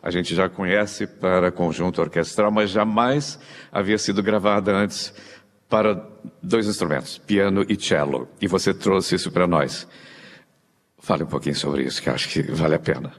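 Low-voiced male interview host. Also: steady tone, normal speed, long reverb tail. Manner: effusive, formal praise. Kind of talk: formal interview hosting.

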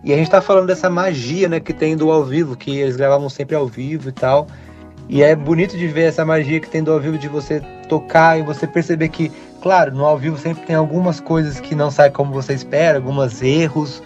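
A young man, a guitarist talking in a relaxed, rambling way as an interview guest. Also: a little high, brisk, muffled recording, soft background music. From Brazil. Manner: relaxed, rambling, many fillers like "né". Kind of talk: casual interview chat.

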